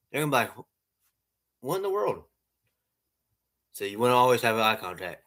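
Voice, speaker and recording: A man's voice: medium pitch, bright, forceful tone. A man who runs a lawn care business, giving casual, rambling advice with lots of repeats and restarts.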